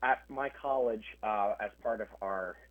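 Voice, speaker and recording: A man's voice: on the low side, a little slow, no echo. A young man answering interview questions over a phone line, earnest and plain-spoken. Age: young adult. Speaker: guest.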